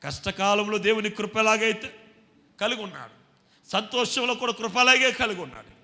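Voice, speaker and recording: A man preaching a sermon, constantly quizzing his congregation and urging them to answer loudly. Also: sits high, normal speed. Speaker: pastor. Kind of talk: Telugu sermon with call-and-response questions. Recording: long reverb from a hall.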